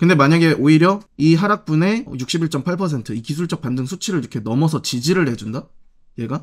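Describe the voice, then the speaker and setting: A man with an ordinary speaking voice talks at a moderate pace, his pitch fairly high. His intonation is lively, and the background is quiet. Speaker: crypto market analyst. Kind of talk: chart analysis commentary. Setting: studio live stream. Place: studio. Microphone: studio mic.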